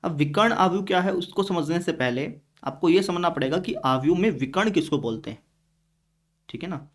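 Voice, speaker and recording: A man with a fairly high, lively voice and a brisk pace teaches a math lesson in a conversational classroom lecture. His accent is Hindi-speaking north Indian, and he keeps asking students whether they follow, then answers for them in their voice.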